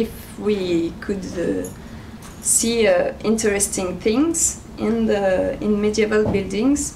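Light background noise sits under the recording. A woman speaks in a French accent with ordinary pitch variation. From France. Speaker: archaeologist and researcher. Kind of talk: conference talk. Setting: conference stage with audience. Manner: halting, hesitant with many fillers. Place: meeting room. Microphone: camera far.

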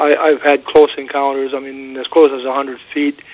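Noticeable background noise sits behind a man speaking at a medium pitch and moderate pace in a monotone, flat delivery. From Canada. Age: 70s. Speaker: writer. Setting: phone call.

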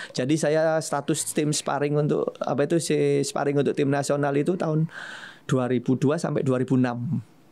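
A man speaks fairly slowly in a flat monotone. His loudness stays very even throughout. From Indonesia. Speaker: badminton coach. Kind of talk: casual chat. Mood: relaxed, often smiling. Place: studio. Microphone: studio mic.

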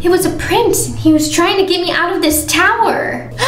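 A put-on character voice from a woman, extremely high-pitched, at a moderate pace, with slight echo and loud background noise. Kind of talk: scripted comedy sketch dialogue. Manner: sweet, naive. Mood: exasperated, explaining.

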